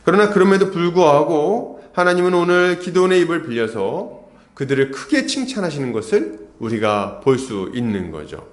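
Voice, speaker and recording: Lively-voiced pastor preaching in an echoey hall. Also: male voice, fairly high pitch, moderate pace. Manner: asks the congregation questions, acts out quotes. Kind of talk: expository sermon. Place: church sanctuary.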